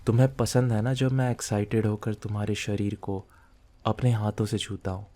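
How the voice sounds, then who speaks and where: A man's voice: lowish voice, flat delivery, normal speed, warm tone, lightly acted. A man playing a possessive, menacing mafia boss lover in an intimate ASMR roleplay, speaking in a threatening, teasing way to the listener. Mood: seductive, possessive.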